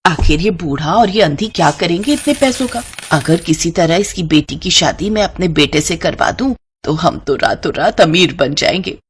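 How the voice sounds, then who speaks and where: A woman's voice: lowish voice, animated, moderate pace, hardly any pauses, a little hiss or hum, natural voice. A woman voicing a greedy, scheming middle-aged maidservant with sugary, coaxing talk in a cartoon story.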